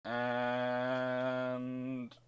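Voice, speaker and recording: A man's voice: mid-range voice, completely flat delivery, very slow, smooth. A man hosting a history question show, thinking aloud in casual, rambling answers and repeating his phrases as he goes.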